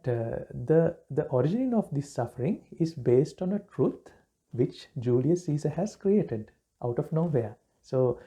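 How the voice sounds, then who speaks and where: A man from Sri Lanka, a Buddhist monk giving a relaxed dharma talk, pausing often with fillers and restarts. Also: on the high side, lo-fi sound. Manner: halting, many fillers and restarts.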